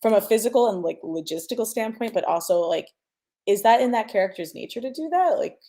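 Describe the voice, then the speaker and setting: A woman's voice: a little high, expressive, a little fast, mellow. A woman explaining her craft in casual panel talk, informal and thinking aloud with rhetorical questions. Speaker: sound designer on a panel.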